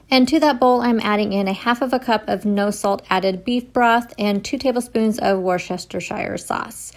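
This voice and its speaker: Young adult woman, cooking vlogger, plain steady instructional delivery, home kitchen. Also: mid-range voice. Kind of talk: voice-over cooking tutorial.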